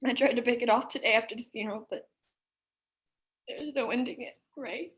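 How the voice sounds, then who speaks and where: A woman's voice: on the high side, a little fast, lightly acted. A woman acting a desperate, frightened but defiant young woman at a screenplay table read, with earnest emotion. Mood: distraught, pleading.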